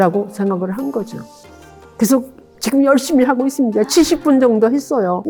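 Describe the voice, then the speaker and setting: Music plays in the background as a woman speaks. Her pitch varies in an ordinary way. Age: 80s+. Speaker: painter. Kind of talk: interview answer.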